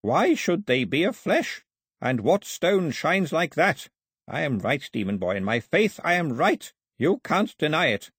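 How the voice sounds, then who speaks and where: A man performs an old priest in an audiobook story, pitched well up and wheezing for breath. He declaims with fervent, triumphant zeal in a husky, dry-sounding voice. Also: very animated, normal speed, few pauses, dry recording, full character voice. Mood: indignant, insistent. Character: zealous old male priest, triumphant, gasping.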